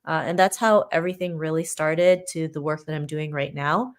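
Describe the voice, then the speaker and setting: Speaking at normal speed in a deep voice with fairly even intonation, a Philippine-born woman from Toronto talks as a podcast's author guest. English isn't her first language, and the interview is casual and motivational.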